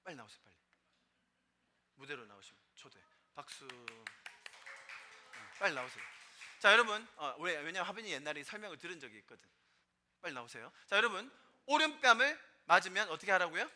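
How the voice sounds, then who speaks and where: A man's voice: high voice, sing-song, a little fast, long pauses, pushed and bright. A man preaching as a pastor, asking the congregation questions and quoting scripture with emphasis. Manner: interactive, asks the congregation questions; quotes scripture in a rising, emphatic voice. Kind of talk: sermon. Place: church sanctuary with a stage.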